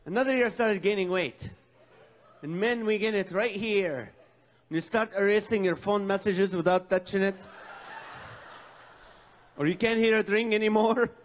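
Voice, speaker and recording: Middle-aged male comic, stand-up storyteller, self-deprecating, lively delivery, voice a bit high. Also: normal speed, pauses often. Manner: animated storytelling, self-mocking. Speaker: comedian. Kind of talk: stand-up comedy.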